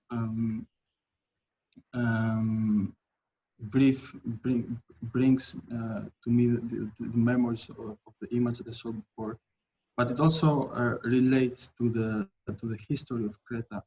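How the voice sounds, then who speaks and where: A man's voice: medium pitch, fairly even intonation, unhurried, warm tone, a little hiss or hum, poor audio. A man from Albania presenting his architecture projects in a webinar, hesitant, with many fillers and restarts.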